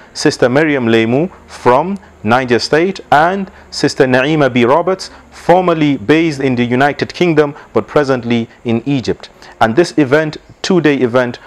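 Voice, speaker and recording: A man in his thirties, leader of an organization, giving a measured, formal scripted address in a library on a lapel mic. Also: medium pitch. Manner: measured, formal, opens with Arabic blessings. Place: indoor library with bookshelves.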